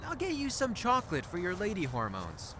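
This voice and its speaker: A man's voice: high voice, huge pitch swings, brisk. A man acting a cheeky, restless young joker in an audio drama, flippant and teasing. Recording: clearly noisy outdoor ambience bed.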